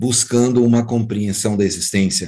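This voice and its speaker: This man's voice has a dark, mellow tone. His pitch is medium. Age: 60s. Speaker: homeopathic doctor. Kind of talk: interview.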